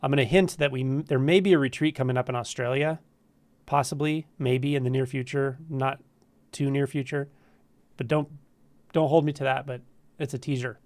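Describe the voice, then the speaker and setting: A man's voice: medium pitch, moderate pace, no room sound. Stuffy-voiced man chatting on a livestream. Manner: relaxed, friendly, chatty with frequent ums. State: stuffy with a cold. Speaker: spiritual teacher hosting a live Q&A. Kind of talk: casual livestream chat greeting viewers. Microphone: camera livestream setup.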